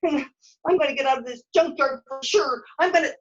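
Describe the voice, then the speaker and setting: A woman playing a flustered, forgetful but plucky young heroine in a puppet show, halting and excitable. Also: sits high, pitched above the performer's own voice, close to an everyday voice. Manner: halting, excitable, self-questioning. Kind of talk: puppet show character acting. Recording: dull, lo-fi sound.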